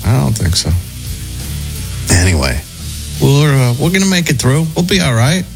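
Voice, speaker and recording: A man hosting a morning radio talk show, sick and losing his voice, talking in a hesitant, halting way from the studio. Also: medium pitch, big pitch swings, gravelly, faint music behind.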